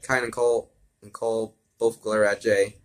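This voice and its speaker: A man with a fairly low voice reads fan fiction in an amateur, informal way. He often trips over words, repeats phrases and drifts into casual commentary. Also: little pitch movement, normal speed. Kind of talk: amateur story reading with casual asides.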